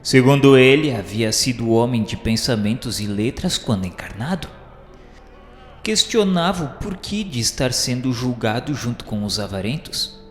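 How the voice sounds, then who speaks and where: A man with a Brazilian accent giving a solemn, formal, measured dramatic narration, like a scripted radio novela. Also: mid-range voice, lively intonation. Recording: echoey, long reverb, music behind. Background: music.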